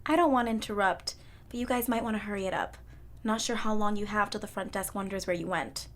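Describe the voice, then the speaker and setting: A woman's voice: medium pitch, quick pace, close to an everyday voice. A woman playing a sly, helpful hospital nurse in a fiction podcast, self-assured and teasing.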